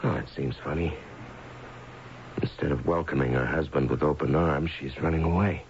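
An actor playing a gruff, insistent ex-convict husband in an old-time radio drama, speaking colloquially and pushing with questions. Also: male voice, a bass voice, fairly even intonation, moderate pace. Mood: suspicious, demanding. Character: gruff, insistent husband just pardoned from prison. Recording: dull, noisy old radio broadcast.

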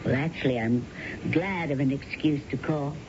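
A genteel, solicitous wife in 1970s radio drama. Her delivery is measured and theatrical, polite with suspicion underneath. The old broadcast sounds dull and clearly noisy. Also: extremely low pitch, a little mellow. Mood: politely gracious. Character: genteel wife, outwardly sweet, quietly suspicious of husband.

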